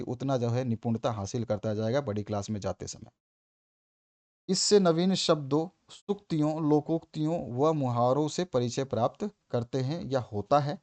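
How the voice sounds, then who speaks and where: A man's voice: mid-range voice, a little mellow. A man teaching an exam-prep lesson. He goes over each point more than once, checks in with "theek hai", and stresses words hard when he acts out examples.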